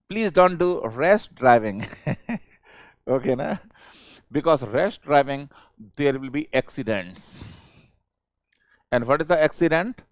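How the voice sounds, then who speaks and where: South indian guy teaching exam prep live, high smooth voice, keeps repeating stuff to push students, casual. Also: no room sound, studio quality. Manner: repeats questions and phrases insistently; chuckling, informal, coaxing students. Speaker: teacher of an online engineering class.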